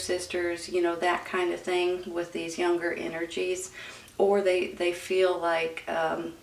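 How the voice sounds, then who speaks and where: A woman's voice: lowish voice, vocal fry. A woman giving a casual, conversational tarot reading, speaking informally and directly to her viewers. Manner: informal, addresses viewers as "you guys", seeks agreement. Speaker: tarot reader and host. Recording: roomy echo, distant from the mic.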